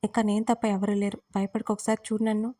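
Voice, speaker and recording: A tender young man soothing someone softly, as a woman storyteller reads him. The voice stays mellow and dark with a flat, even pitch. It is storybook drama, quiet and reassuring. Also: brisk, lightly acted.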